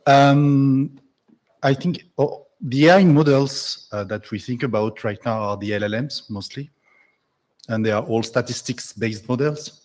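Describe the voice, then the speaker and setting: A man with a French accent making a measured, reasoned comment from the floor at a conference. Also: medium pitch, a little mellow. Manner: measured, reasoned argument with brief apologies. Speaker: audience member commenting at the microphone. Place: conference hall.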